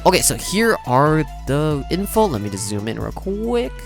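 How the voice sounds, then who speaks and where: A man's voice: on the high side, big pitch swings, normal speed, vocal fry. A man giving casual, slangy and exclamatory reaction commentary as a video host. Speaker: video host, game reaction content creator. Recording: music playing behind the voice. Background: music.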